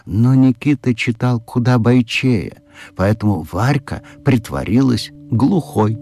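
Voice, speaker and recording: A man narrating a children's audiobook in a measured storytelling manner. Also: mid-range voice, expressive, mellow, faint music behind.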